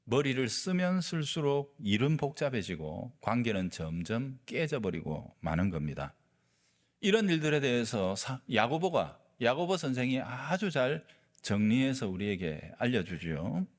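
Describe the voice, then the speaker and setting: A male pastor preaching a sermon, telling a story with lively delivery and acting out the quoted lines. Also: medium pitch, a little slow. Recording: long reverb of a large hall.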